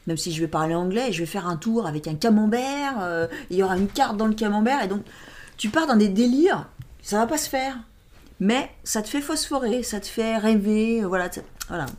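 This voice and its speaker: A French woman talking casually as an interview guest, lively and emphatic, animating her stories. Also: mid-range voice, a little fast. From France. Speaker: guest, stage performer.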